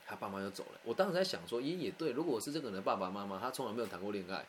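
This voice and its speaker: Guy telling a personal story, fast and chatty, kinda low voice. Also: slight background noise. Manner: animated, candid, conversational.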